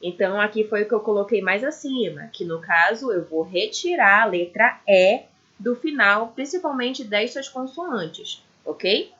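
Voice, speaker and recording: A woman's voice: mid-range voice, animated, bright, forceful tone. A woman with a Brazilian Portuguese accent, teaching a patient English lesson on letter sounds and checking in with "ok?" often. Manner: patient, repeats letters slowly, says "ok?" often. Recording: dull lo-fi recording.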